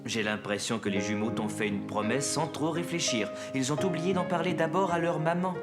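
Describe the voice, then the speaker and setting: A man voicing a patient, reassuring father in a French children's cartoon, speaking gently and expressively. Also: fairly high pitch, moderate pace, loud music behind the voice, lightly acted. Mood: consoling.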